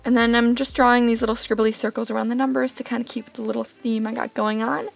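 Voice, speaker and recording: A young woman with a hoarse, sickly voice narrating a casual journal setup, rambling and self-deprecating with lots of fillers. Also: fairly high pitch, level tone, fast talker, faint music behind. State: hoarse, getting over being sick. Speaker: bullet journal vlogger.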